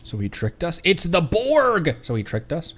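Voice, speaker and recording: Animated guy chatting over a video game. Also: fairly high pitch, a little slow. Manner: chatty, thinking aloud. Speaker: streamer. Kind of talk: casual gameplay commentary. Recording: game music behind voice. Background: video game music.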